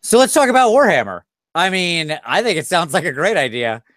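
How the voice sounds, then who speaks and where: A man's voice: on the high side, brisk, no room sound, studio quality. Tired, rambling male podcast host. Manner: rambling, animated, self-deprecating. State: tired after a long day. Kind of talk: casual chat.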